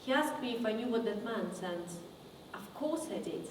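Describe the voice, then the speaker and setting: A woman acting a theatrical monologue as a haunted woman looking back on her past, with deliberate, halting delivery. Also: a little high, animated, close to an everyday voice. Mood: subdued, uneasy. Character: woman recounting childhood memories, wry then wounded and haunted. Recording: echoey reverberant room, distant mic, faint noise.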